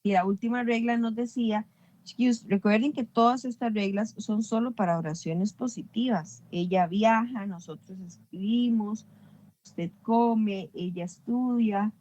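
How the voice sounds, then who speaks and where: A woman's voice: mid-range voice, unhurried, dark tone, highs cut off. A woman teaching an English grammar class online, explaining patiently and often checking understanding.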